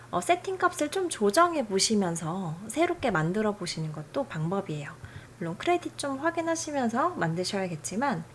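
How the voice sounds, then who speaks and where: A woman hosting a software tutorial, explaining settings in a friendly, chatty way. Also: mid-range voice, a little hiss or hum. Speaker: tutorial host.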